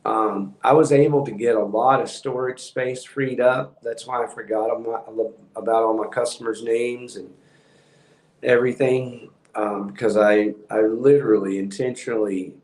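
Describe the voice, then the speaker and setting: A man, hosting a livestream and rambling in a calm monotone with many ums. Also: medium pitch, normal speed, roomy sound, rough recording. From Texas. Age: 50s. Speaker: house painting business owner hosting a livestream. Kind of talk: rambling casual livestream talk.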